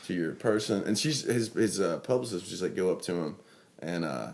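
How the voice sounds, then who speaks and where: In a Southern accent, a man speaks at a fairly quick pace with a very deep, low pitch and a dark, mellow tone. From South Carolina. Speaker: podcast host and media producer. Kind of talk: casual chat.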